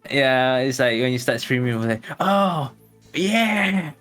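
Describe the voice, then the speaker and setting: A man talks informally on a group stream. His voice is of average pitch. Faint music plays behind him. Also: level tone, brisk, fairly bright tone, clean tone. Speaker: streamer and co-guest. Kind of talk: casual chat.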